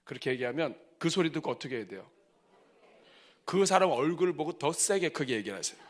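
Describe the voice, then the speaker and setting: Animated high-voiced male pastor. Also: brisk. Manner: animated, shifts between soft asides and loud cries. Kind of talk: revival sermon. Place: church sanctuary.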